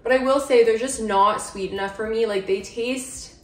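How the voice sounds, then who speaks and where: A woman's voice: a little high, moderate pace. Young woman, chatty food vlogger. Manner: informal, frequent "like" as filler. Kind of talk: casual chatty recipe review and instructions.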